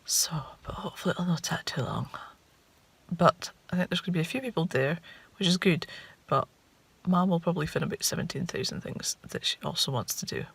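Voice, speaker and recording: A woman's voice: lowish voice, lively intonation, fairly quick, gravelly, a bit bright, breathy edge, whispered. A woman with a Shetland Scots accent chatting casually to a vlog in a wry, understated, rambling way. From Shetland, Scotland. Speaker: vlogger.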